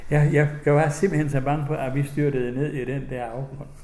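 An older man from West Jutland, an author, sharing childhood memories in a gentle, halting way and then reading slowly from his own book. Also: medium pitch, level tone, echoey room. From West Jutland, Denmark. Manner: gentle, reflective, halting, with restarts; slow, measured reading voice.

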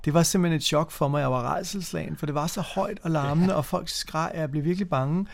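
A man's voice: fairly high pitch, creaky. A man in his fifties from Denmark, co-hosting a casual radio chat about music and recalling memories with frequent restarts. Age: 50s. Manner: hesitant, repeats words while recalling memories. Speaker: co-host.

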